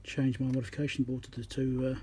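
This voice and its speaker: A man's voice: mid-range voice, level tone, warm tone. Man muttering through workbench demo, faint noise. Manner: halting, muttering to himself while concentrating on fiddly work. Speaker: electronics repairer, channel host. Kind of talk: casual hands-on demonstration commentary while working. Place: indoor electronics workbench. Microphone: phone on a tripod above the work. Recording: noisy room recording on a phone.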